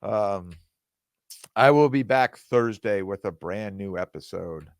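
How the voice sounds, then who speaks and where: A man hosting his own podcast in casual, rambling talk, with plenty of fillers and restarts, and his voice going hoarse. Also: on the low side, slow pace, no room sound, clean studio sound. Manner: quotes other people in dialogue. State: losing his voice. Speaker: podcast host.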